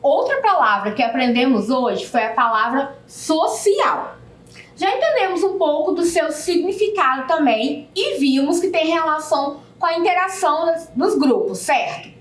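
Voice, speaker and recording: Lively high-voiced teacher in echoey room. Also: female voice. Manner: slow, deliberate syllable-by-syllable explanation. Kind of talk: recorded video lesson. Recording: echoey room, a bit distant from the mic.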